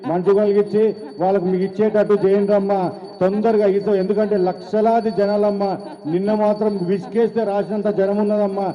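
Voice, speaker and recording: A high-voiced man with a Telangana accent makes a deferential plea to an oracle. He repeats himself in a fairly flat melody. The recording is dull and washed in reverb. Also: fairly quick. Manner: pleading, deferential, repetitive. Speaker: temple devotee petitioning the oracle. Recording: dull sound in reverberant space.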